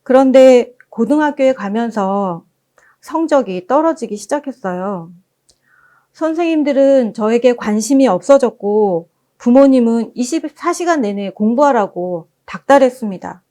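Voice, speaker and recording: A woman presenting at a book forum who reads passages aloud as gentle storytelling. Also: a little high, animated, measured pace. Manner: gentle storytelling, acting out quoted lines.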